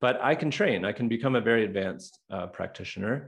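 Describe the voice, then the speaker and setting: A man talks at a fairly low pitch with ordinary pitch variation. The background is quiet. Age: 30s. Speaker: neuroscience research professor. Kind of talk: casual interview.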